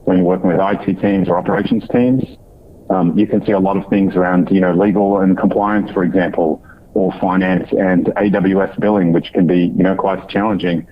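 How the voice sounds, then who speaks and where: A man's voice: low-pitched, fairly even intonation, brisk. A man speaking as a company executive, answering analyst questions off the cuff on an earnings call in corporate language. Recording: tinny band-limited phone conference line.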